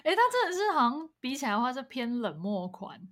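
Slightly high-voiced woman. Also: very animated, quick pace, a bit bright. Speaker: podcast co-host. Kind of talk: casual chat.

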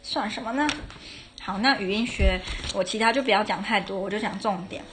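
A woman's voice: medium pitch, brisk, background noise. A young adult woman, hosting a casual solo podcast in a chatty way, often correcting herself and laughing now and then. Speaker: podcast host. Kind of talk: casual solo podcast chat about her classes.

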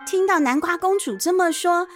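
A woman with a Taiwanese Mandarin accent, hosting and narrating children's bedtime stories in an expressive, chatty way with explanatory asides. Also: very high voice, moderate pace, faint music behind. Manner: expressive, chatty explaining with sentence-end particles. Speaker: podcast host and storyteller, a mother.

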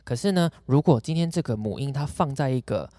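Male co-host, explainer type with a teasing edge, lively intonation, dry mic. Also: mid-range voice, a little fast, no echo. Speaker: podcast co-host explaining pronunciation. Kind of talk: casual chat.

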